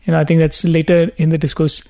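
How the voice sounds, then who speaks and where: Guy explaining ideas earnestly, lots of you know, slow and highish voice. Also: little pitch movement, gravelly, darkish tone. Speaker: discussion co-host. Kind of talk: casual spiritual discussion.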